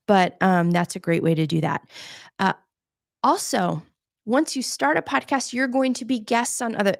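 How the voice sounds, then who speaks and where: Casting: soft-spoken woman coach, slight fry, close dry mic, casual livestream tutor. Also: mid-range voice, dry recording. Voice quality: soft-voiced. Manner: chatty, demonstrating gear on camera. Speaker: podcast coach hosting a live Q&A. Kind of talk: casual live-stream tutorial.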